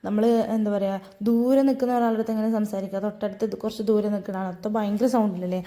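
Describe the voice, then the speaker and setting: A woman's voice: mid-range voice, steady tone, fast, dark tone. A young woman, telling her day in a chatty, storytelling vlog voice-over. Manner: chatty, storytelling, frequent tag "ട്ടോ". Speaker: vlogger.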